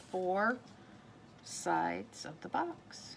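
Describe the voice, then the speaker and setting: A woman is speaking here. Noticeable background noise runs under her voice. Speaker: paper crafting demonstrator. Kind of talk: live craft tutorial. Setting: Facebook live stream. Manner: casual, chatty.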